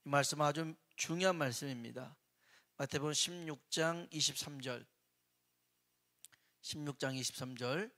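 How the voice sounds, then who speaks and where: A man's voice: fairly high pitch, normal speed, pauses often, pushed and bright. A man preaching a sermon in a church, teaching from scripture with rhetorical questions and dramatic acted quotes. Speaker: pastor.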